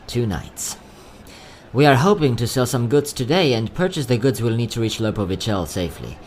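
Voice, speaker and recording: A man performs a young travelling merchant in a fantasy audio drama, courteous and a little sad. His polite sales patter swings widely in pitch. Some ambient noise sits behind the voice. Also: animated, normal speed, darkish tone, close to an everyday voice. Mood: grieving. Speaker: voice actor.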